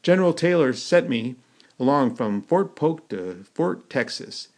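A courtly clockwork metal man with an eerie, stiffly formal way of speaking, as a man puts him on for a spoken story. His voice is gravelly, and his words come out at an unhurried, measured pace. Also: mid-range voice, expressive, a little mellow.

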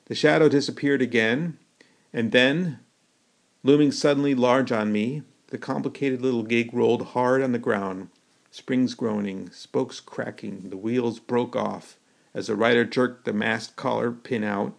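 A man reading a first-person story with measured, vivid delivery. His voice has a gravelly grain, and he takes an unhurried pace through the narration. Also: mid-range voice, steady tone.

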